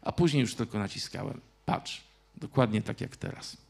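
A man reading from a novel and voicing a stern, cold elderly grandfather in a literary reading, with clipped, drawn-out words. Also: lowish voice, lively intonation, creaky, darkish tone, breathy edge, exaggerated voice. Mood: quiet menace.

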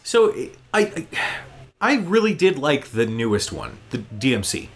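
A man's voice: mid-range voice, big pitch swings, unhurried. A man hosting a gaming show, giving casual gameplay commentary in an informal, enthusiastic fan's manner.

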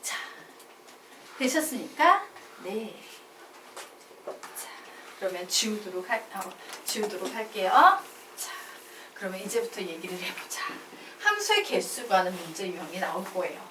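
A woman's voice: medium pitch, very animated, a little slow. A woman math teacher giving a classroom lecture, drilling students with call-and-response chanting and mixing casual and polite speech. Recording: echoey classroom, far from mic, noisy.

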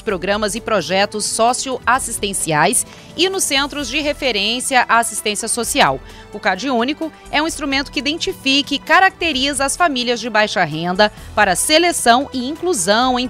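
A woman's voice: a little high, bright, forceful tone. A young woman reading a city news bulletin in a small radio studio, adding chatty asides. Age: young adult. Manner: reads from paper with chatty asides. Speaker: news presenter. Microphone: studio mic on desk.

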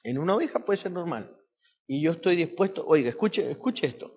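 A man's voice: on the high side, animated, brisk, slightly rough, long reverb tail, muffled recording. A man preaching a sermon as pastor, asking his congregation rhetorical questions.

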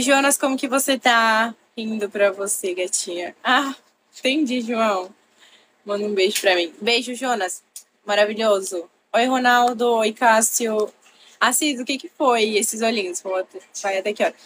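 A woman's voice: on the high side, normal speed, a bit bright, slight background noise. Chatty woman live-streaming. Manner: chatty, greets and thanks viewers by name. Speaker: livestream host. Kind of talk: casual live-stream chat. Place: bedroom. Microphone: laptop.

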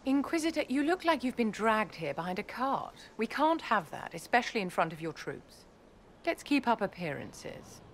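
An actress voicing a poised, commanding noblewoman advisor in a fantasy game, haughty, measured and formal. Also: fairly high pitch, very animated, a little hiss or hum. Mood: stern, appraising. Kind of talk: fantasy video game acting.

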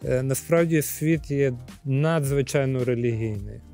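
Unhurried and gravelly at medium pitch, over soft background music, this Ukrainian priest in his forties answers an interviewer's questions into a lapel mic. He is reflective and hesitant with fillers, turning lively as he acts out scenes; he speaks in a library studio and then an outdoor courtyard.

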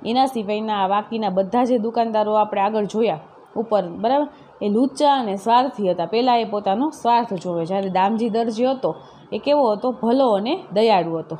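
A woman's voice: mid-range voice, normal speed, warm tone, a little hiss or hum. A woman teacher with a Gujarati accent reading a story lesson aloud and explaining each line in simple words, often checking in with a tag question. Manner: reads a line, then retells it in plain words with tag questions. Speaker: school teacher. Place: classroom-style video lecture.

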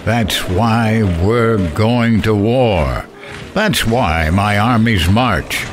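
An actor playing a weary, ancient and proud duke of hell in an audio drama, delivering a solemn, grandiose monologue. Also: male voice, fairly low pitch, drawn-out words, slight background noise. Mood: grim, defiant. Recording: music under the voice.

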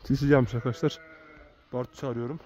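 A shepherd vlogger chats casually to his viewers outdoors in a farmyard, often calling them friends. His voice is medium-pitched, steady, fast and mellow, though the recording is muffled with a little hiss or hum.

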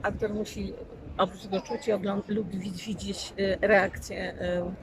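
A woman's voice: mid-range voice, little pitch movement, a little slow, rough recording. Emphatic older woman, busy street behind. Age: 60s. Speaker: stage actress being interviewed. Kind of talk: casual spontaneous interview talk. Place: outdoors in a town street. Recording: outdoor urban recording with crowd and traffic.

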